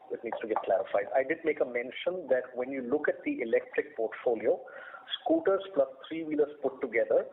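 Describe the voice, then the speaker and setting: A man's voice: medium pitch, a little hiss or hum. Indian executive man on a tinny phone line. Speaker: company finance executive. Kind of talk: answering analyst questions on an earnings call. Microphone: conference call line.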